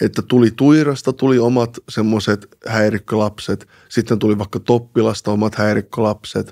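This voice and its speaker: Fairly unhurried speech in a dark, mellow tone with fairly flat intonation. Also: man. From Finland, Oulu region. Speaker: ex-drug dealer and rapper. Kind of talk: interview, personal story. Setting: studio.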